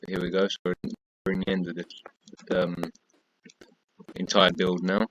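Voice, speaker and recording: A very low-pitched man whose voice is worn and tired, chatting through a building tutorial in a casual, repetitive way. The sound is dull and lo-fi, with faint keyboard and mouse clicks in the background. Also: monotone, moderate pace, a bit bright, a little hiss or hum. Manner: chatty, repetitive counting and pointing while building. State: tired, losing his voice. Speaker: gaming tutorial creator.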